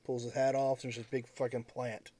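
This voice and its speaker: A man running a tabletop game as game master, improvising narration in a casual, halting way. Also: mid-range voice, level tone, mellow, slight background noise.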